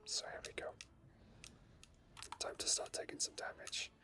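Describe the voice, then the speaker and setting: Hosting an ASMR gaming video, a man whispers gently as he plays, letting his thoughts ramble out loud in a relaxed, unhurried way.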